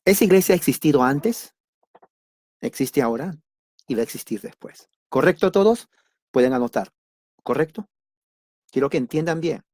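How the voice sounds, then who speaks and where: A man's voice: on the high side, lively intonation, a little mellow, no echo. Emphatic man teaching Bible class, dry sound. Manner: emphatic, repeats key words; deliberate, simple wording. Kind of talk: church doctrine class.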